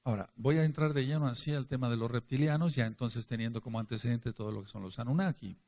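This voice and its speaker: A man's voice: medium pitch, fast talker. A man preaching a sermon and reading scripture aloud, emphatic, with his voice rising and falling. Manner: emphatic preaching, asks for amens, swings between loud and quiet.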